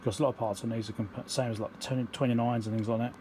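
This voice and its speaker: A man's voice: medium pitch, steady tone, quick pace, a little mellow, slight background noise. A man giving a casual technical explanation as a repair video host, rambling and matter-of-fact as he thinks aloud.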